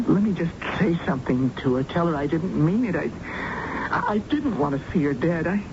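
High-voiced, distraught young son. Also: male voice, lively intonation. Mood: distraught, pleading. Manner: halting, stammering. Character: distraught, guilt-stricken young son, pleading. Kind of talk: 1970s radio drama acting. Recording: dull, noisy 1970s radio broadcast.

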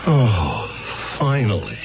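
Flustered, animated lawyer, old radio. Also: male voice, on the low side, drawn-out words, gravelly, noisy background, full character voice. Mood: exasperated, incredulous. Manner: stammering, incredulous, sardonic. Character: flustered, skeptical defense lawyer, exasperated but smitten. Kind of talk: 1970s radio drama acting. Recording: muffled old radio broadcast.

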